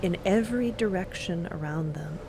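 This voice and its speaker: A woman tells a scripted story in a measured, descriptive manner. Her voice is on the low side, with loud ambient sound running behind it. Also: background noise. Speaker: narrator.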